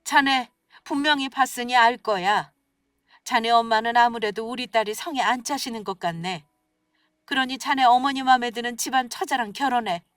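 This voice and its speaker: A woman's voice: a little high, fairly bright tone, dry recording, studio quality, far from the mic, voice pushed up, natural voice. A woman voicing a stern middle-aged mother who scolds sharply and protects her daughter.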